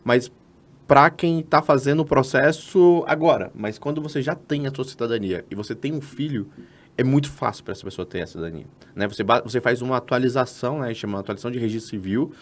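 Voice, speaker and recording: A Brazilian man with a Brazilian Portuguese accent co-hosts a casual podcast. He talks quickly at a mid pitch and walks through the steps one by one, with plenty of fillers. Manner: chatty, explains step by step with many fillers. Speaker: podcast co-host.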